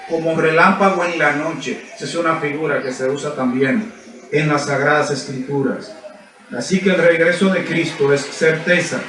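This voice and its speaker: A man preaches a sermon in a high, ringing voice. He builds his points through emphatic repetition and rhetorical questions to the congregation. The sound is roomy and echoing, caught by a mic some distance away. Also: a bit bright, slight background noise. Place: church service.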